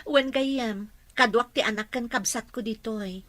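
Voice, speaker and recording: High-voiced dutiful Ilocano woman played by an actress. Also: unhurried, a bit bright, no echo. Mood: friendly.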